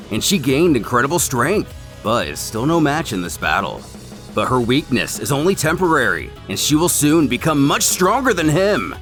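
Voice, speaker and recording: Lively male narrator, dramatic recap. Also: mid-range voice.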